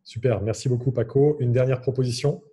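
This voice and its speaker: A man's voice: mid-range voice, fairly even intonation, fairly quick, dark tone, husky. A man leading an online coaching workshop over a video call, in an encouraging, instructive way.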